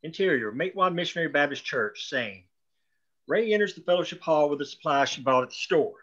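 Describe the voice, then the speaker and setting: A man's voice: a little high, animated, a little fast, fairly bright tone, highs cut off. A man reading screenplay stage directions as scripted narration at a table read.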